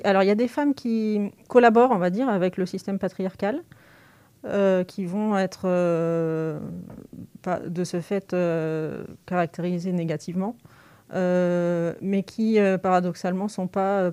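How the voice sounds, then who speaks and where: Woman academic on the radio, lowish smooth voice, lots of euhs while she thinks. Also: dark tone. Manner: thoughtful, hesitant with frequent fillers. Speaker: university lecturer, guest. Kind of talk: radio interview answers.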